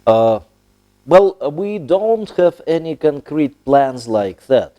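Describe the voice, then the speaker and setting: A man from Russia with a Russian accent, giving a formal interview in halting, deliberate, diplomatic phrases with long hesitations. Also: fairly high pitch, animated, dull audio. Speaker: ambassador, interview guest.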